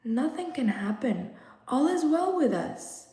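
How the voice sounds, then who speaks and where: A storybook Martian spouse, played by a woman reader, gentle and reassuring. The voice is lifted well up in pitch and soft with comfort, in an echoing room. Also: very animated, takes it slowly, full character voice. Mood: soothing. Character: soothing Martian spouse calming a frightened sleeper at night. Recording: roomy, echoing room sound.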